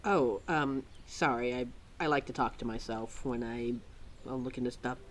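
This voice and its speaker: A woman's voice: extremely low pitch, normal speed. A woman playing a chatty, indignant keeper of forgotten lore in an ad-libbed audio roleplay, rambling and often talking to herself. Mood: apologetic, friendly. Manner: rambling, talks to self, animated, sighing.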